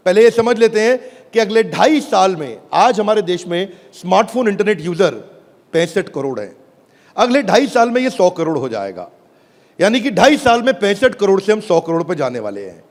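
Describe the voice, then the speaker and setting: High-voiced man pitching to a crowd. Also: very animated, moderate pace, in a large hall. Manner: rallying, shouts questions at the crowd. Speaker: business speaker launching a product. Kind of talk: energetic stage pitch to a live audience.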